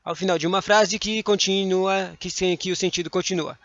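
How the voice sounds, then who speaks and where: With a Brazilian Portuguese accent, a man teaches a grammar lesson for exam prep, reading examples aloud with lively emphasis and mumbling quiet asides. His voice sits high and moves at a normal speed; there's no echo, but the highs are cut off.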